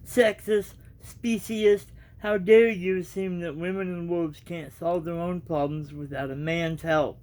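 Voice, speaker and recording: A man's voice: high-pitched, steady tone, measured pace, few pauses, a little mellow. A man voicing an indignant, scolding young Red Riding Hood from a storybook. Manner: scolding, accusatory.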